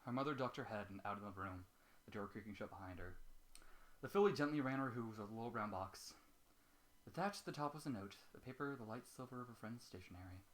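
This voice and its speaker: A man's voice: fairly low pitch, animated, fast, fairly bright tone, low-quality recording. A man hosting an amateur reading, moving between casual banter with some swearing and story narration. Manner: profane, joking. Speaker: host reading fan fiction aloud.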